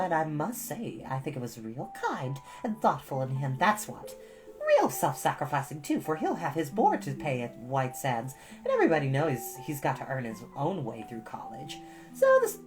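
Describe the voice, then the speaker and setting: A woman's voice: low-pitched, voice pushed up. A woman voicing a stout, bossy older village gossip from a storybook, opinionated, emphatic and folksy. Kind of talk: storybook character voice.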